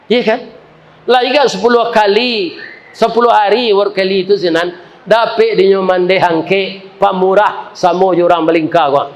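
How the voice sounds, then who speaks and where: High-voiced Minangkabau preacher. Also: male voice, steady tone, measured pace. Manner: joking, chuckling asides to the congregation. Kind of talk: humorous sermon storytelling.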